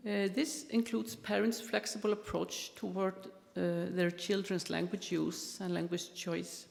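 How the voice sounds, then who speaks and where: A woman's voice: fairly low pitch, little pitch movement, unhurried, vocal fry, a little mellow. A middle-aged woman with an Icelandic accent giving an academic keynote talk, speaking carefully with frequent fillers. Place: large conference hall. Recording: long hall reverb.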